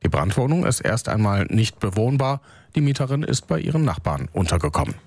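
A man reading scripted regional news on the radio in a calm, measured, even delivery. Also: fairly low pitch, no room sound. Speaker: newsreader. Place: radio studio. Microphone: close studio microphone.

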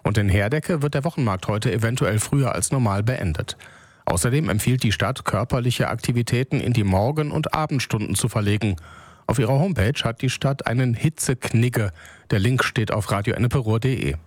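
A man reading scripted regional news on the radio in a calm, measured, even delivery. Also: mid-range voice, no room sound, studio quality. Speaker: newsreader. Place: radio studio. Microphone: close studio microphone.

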